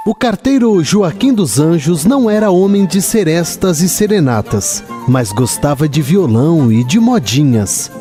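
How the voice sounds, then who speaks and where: High, animated Brazilian man narrating over music. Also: a little slow. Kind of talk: literary radio drama narration.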